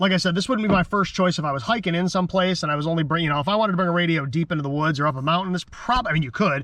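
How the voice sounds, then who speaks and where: A man speaks loudly at a high pitch and a very fast pace, with hardly any pauses. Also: ordinary pitch variation. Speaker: amateur radio hobbyist. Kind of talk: casual vlog commentary. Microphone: close to camera mic, loud.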